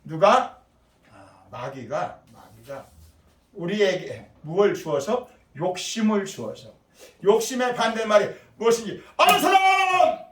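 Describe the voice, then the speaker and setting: An older man preaching as pastor, lively, quizzing the children and calling on them by name. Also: high voice, a little slow. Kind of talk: sermon. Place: church sanctuary. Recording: echoey room from far off.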